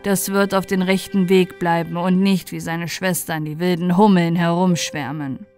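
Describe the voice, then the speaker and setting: A woman's voice: lowish voice, level tone, moderate pace, darkish tone, faint music behind, voice pushed down, natural voice. A woman voicing a confident, reassuring woodcutter father in a fairy tale.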